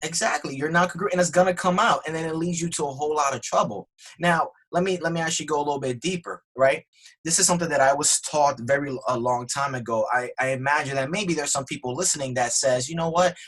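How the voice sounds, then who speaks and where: A man's voice: a little high, quick pace, a bit bright. A man being interviewed on a podcast, earnestly explaining his views step by step, with frequent restarts. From Spanish family background. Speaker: guest.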